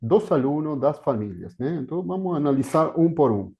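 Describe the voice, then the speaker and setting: The speaker is an Argentine man, a historian of education appearing as a guest on a video call to give an academic talk in an Argentine Spanish accent. He stumbles with fillers and restarts, speaking a little high, animated and a little fast. The high frequencies are cut off.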